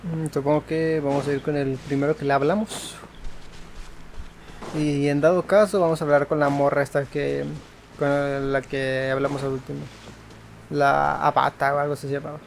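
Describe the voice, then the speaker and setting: A man's voice: fairly high pitch, level tone, brisk, gravelly, a little hiss or hum. A man with a Mexican accent doing casual playthrough commentary and reading game dialogue aloud.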